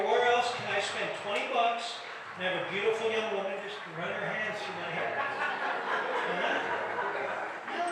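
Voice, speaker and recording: A middle-aged or older man from the Detroit area doing a stand-up set, stammering through restarts and teasing the crowd. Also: sits high. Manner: self-deprecating, stammering restarts, banters with the crowd. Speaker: stand-up comedian. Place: comedy club stage. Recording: echoey club from far off, crowd noise.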